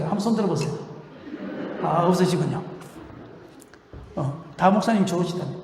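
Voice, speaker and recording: An older male pastor preaching a sermon, telling stories with laughter and shouting the scripture lines. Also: sits high, creaky. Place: church sanctuary. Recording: roomy hall reverb.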